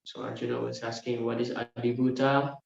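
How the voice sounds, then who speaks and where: A man teaching a scripture class, explaining verse by verse and often filling pauses with "yeah" and "uh". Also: mid-range voice, little pitch movement, vocal fry. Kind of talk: scripture lecture. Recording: very echoey room, dull lo-fi sound.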